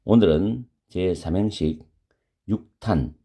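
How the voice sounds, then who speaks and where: A man with a very low, gravelly voice teaches an online English grammar lesson. His tone is dark and a little husky, and he speaks English words with a Korean accent. He patiently repeats key words slowly so they can be practiced.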